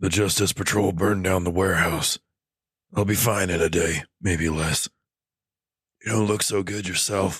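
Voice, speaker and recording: In a put-on character voice, a man speaks very deep and low with a raspy sound. His intonation stays fairly even, broken by long, frequent pauses. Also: moderate pace. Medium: audio drama. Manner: terse, hard.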